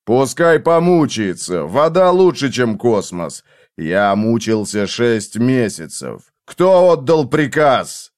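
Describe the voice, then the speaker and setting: A man voicing a brutal vengeful man who interrogates in a harsh, slow, menacing way. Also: medium pitch, sing-song, a little mellow.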